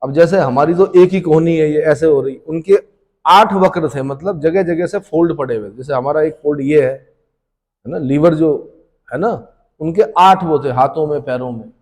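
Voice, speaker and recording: A man's voice: fairly high pitch, moderate pace, darkish tone. A male history teacher, lecturing a class for exam prep and constantly quizzing students, then answering himself. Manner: asks students questions and answers them himself. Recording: long reverberant room echo.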